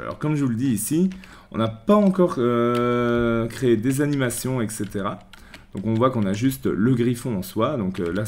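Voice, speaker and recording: A man from France hosting a screen-recorded software tutorial, chatty, with many restarts, walking through each click. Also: lowish voice. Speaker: tutorial host.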